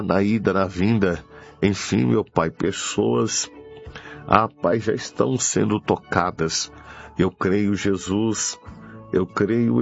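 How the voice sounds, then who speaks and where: A Brazilian man prays fervently in a very slow, deliberate delivery. His voice is markedly gravelly, and he pleads in repeated phrases and devotional interjections. Faint music plays behind the preacher. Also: fairly low pitch. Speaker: preacher leading prayer. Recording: dull lo-fi audio with music behind.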